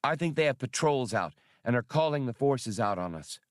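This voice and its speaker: A man's voice: mid-range voice, expressive, moderate pace, dry recording, studio quality, voice pushed up, natural voice. Man reading as a shrewd, direct woman adventurer. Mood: wary. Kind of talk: audiobook character voice.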